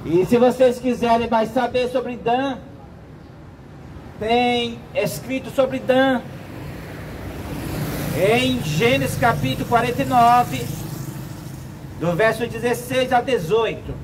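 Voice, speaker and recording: A Brazilian man with a strikingly high voice delivers a solemn sermon. He speaks slowly and haltingly, in short phrases. The recording is noisy, with clear background sound around him. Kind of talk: sermon, prophetic preaching.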